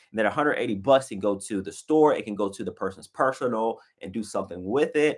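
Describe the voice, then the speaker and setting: A man talks at a very fast pace with a medium pitch, ordinary pitch variation and big swings in loudness. The recording is very clean, with a silent background. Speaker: sneaker YouTuber. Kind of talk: livestream chat. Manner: casual, filler-heavy.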